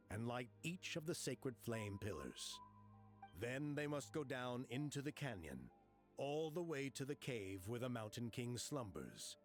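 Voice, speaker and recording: A man playing an easygoing, knowledgeable tribal guide in a video game, explaining things in a reassuring way. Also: lowish voice.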